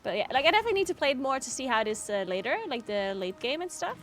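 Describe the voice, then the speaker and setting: Woman, game streamer, fairly high voice, relaxed chatty delivery, lots of fillers. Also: very fast, soft background music. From South Tyrol, Italy. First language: German. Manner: chatty, answers chat, frequent "like" fillers. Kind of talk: casual chat while gaming.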